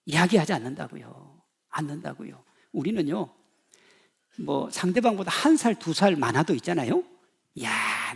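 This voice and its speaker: A pastor in his fifties preaching a sermon, swinging from loud emphasis to hushed asides and acting out quoted voices. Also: on the high side, gravelly, breathy edge. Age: 50s.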